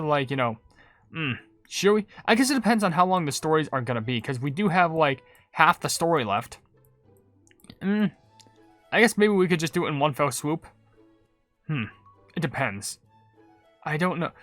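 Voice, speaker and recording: High-pitched man rambling through game commentary. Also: a bit bright, dry recording. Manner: rambling, stammering, playful asides. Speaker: gaming video host.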